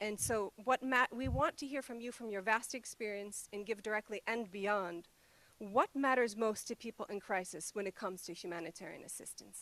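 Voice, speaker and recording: In a dry, close sound with no echo, a woman with an unremarkable speaking voice and fairly high pitch speaks at a fairly quick pace, with ordinary pitch variation and big swings in loudness. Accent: American. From US, California. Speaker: panel moderator. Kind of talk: panel moderation.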